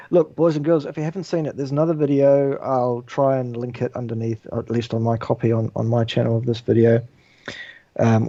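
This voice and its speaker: A man's voice: medium pitch, dark tone, dull audio. A man in casual conversation over a remote call, wry and teasing, talking straight to viewers as boys and girls. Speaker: guest. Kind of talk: casual video-call chat.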